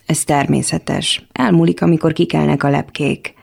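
Woman reading as a soft-spoken odd doctor. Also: sits low, fairly even intonation, gravelly, full character voice. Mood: soothing. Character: slightly mad middle-aged male doctor, soothing.

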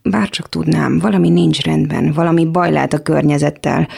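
A woman reading the part of a slightly mad male doctor who speaks slowly and softly coaxes. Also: sits low, fairly even intonation, vocal fry, husky, heavily acted. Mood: soothing.

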